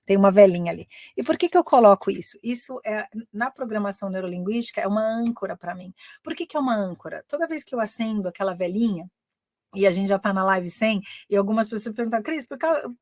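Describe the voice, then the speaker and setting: An English teacher and communication coach, a bilingual woman living in England, teaches a live-streamed class from home, switching between Portuguese and English and repeating each point in both. Her medium-pitched voice is expressive, fast, and somewhat dark. The studio sound is clean with no echo.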